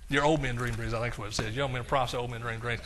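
A man's voice: mid-range voice, fairly even intonation, rapid-fire, fairly bright tone. An older man preaching a sermon, reading scripture aloud with rising emphasis and explaining it in a casual, conversational way.

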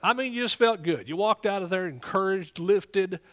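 A man's voice: high voice, animated, normal speed. A middle-aged man with an East Texas accent preaching a sermon in a folksy, emphatic way, prompting listeners as he goes.

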